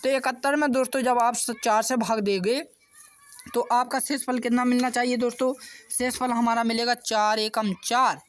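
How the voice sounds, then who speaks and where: Speaking at a moderate pace in an extremely high voice, a male math tutor leads an exam-prep lesson. He patiently and steadily works through each step, repeatedly posing questions to his viewers and then answering them himself.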